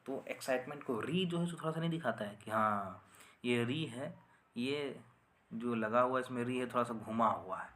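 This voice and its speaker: A man's voice: medium pitch, normal speed, fairly bright tone, slight background noise. A man teaching a Sanskrit grammar lesson online, explaining with repetition and often asking "है ना?" to check understanding.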